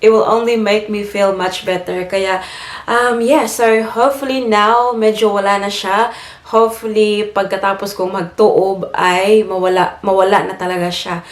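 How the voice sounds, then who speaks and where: Woman, Filipino accent, casual vlog chat, slightly congested, mid pitch, echoey room. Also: fairly even intonation, measured pace. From Philippines. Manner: chatty, mixes English into Tagalog, laughs while telling stories. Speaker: vlogger. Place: home, indoors.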